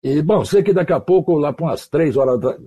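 A man from Mato Grosso do Sul tells slangy radio anecdotes over an online call. His voice is very husky and dark, fairly low, and swings widely in pitch as he acts out the people in his stories. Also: a little fast, muffled recording. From Mato Grosso do Sul, Brazil. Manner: animated anecdotes, acting out quoted voices, slangy. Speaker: guest, radio announcer. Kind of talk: casual storytelling.

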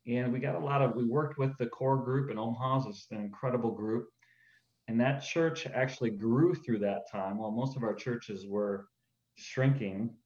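A man's voice: medium pitch, a little mellow, echoey room, highs cut off. A man in his forties with a Northern Midwest American accent, talking earnestly as an interview guest, laughing easily with frequent fillers. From upper Midwest of the USA. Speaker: church planter, interview guest. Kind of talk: casual interview conversation.

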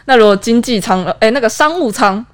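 A woman co-hosting a casual chat, explaining vocabulary and answering with quick agreements. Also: fairly high pitch. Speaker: co-host, translator.

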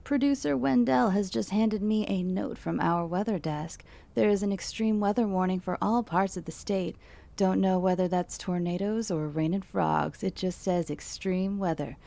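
A woman playing a calm, wry late-night local radio DJ with easygoing, intimate patter in an audio drama. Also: mid-range voice, normal speed, gravelly, lightly acted.

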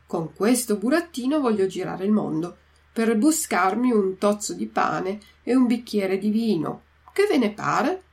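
A woman voicing a hot-tempered old male woodcarver who is quick to take offence and shout, in a storybook reading. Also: medium pitch, big pitch swings, vocal fry. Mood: eager.

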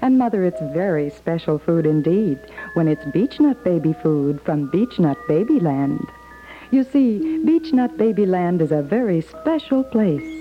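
Woman, lower-pitched, scripted radio advertisement, announcer, thin vintage sound, faint music behind. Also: narrow, tinny audio. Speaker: commercial announcer.

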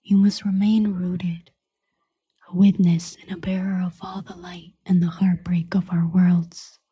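A solemn spirit guide in an audio story, speaking in an airy whisper. The voice is very mellow and slightly low, with slow, measured phrases that stay calm and grave. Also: female voice. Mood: solemn, guiding. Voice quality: breathy, whispery. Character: solemn, calm, guiding spirit of another world. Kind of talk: fictional audio story acting.

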